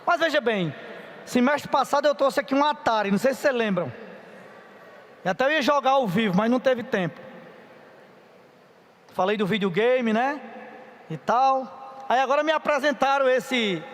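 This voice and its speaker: A middle-aged preacher with a high voice, talking in a chatty, playful way and turning to the crowd for help. His voice carries a long echo through a large conference hall. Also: moderate pace, pauses often, a bit bright, slight background noise. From Paraíba, Brazil. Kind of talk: youth conference sermon. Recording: reverberant hall.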